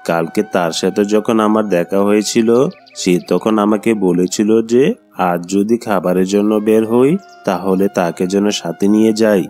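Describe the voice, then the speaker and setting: A man's voice: fairly low pitch, steady tone, a little slow, darkish tone, soft background music, close to an everyday voice. A man voicing a friendly, loyal bird in a children's cartoon, earnest and reassuring.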